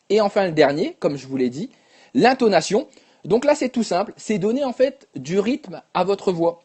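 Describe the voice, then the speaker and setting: A young man coaching public speaking live, talking straight to viewers and demonstrating whispers and shouts. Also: sits high.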